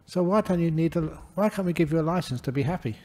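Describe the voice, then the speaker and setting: An older man, a Buddhist monk giving a gentle, humorous dharma talk to a gathering. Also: a little high, animated, fast talker. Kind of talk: relaxed dharma talk with anecdotes.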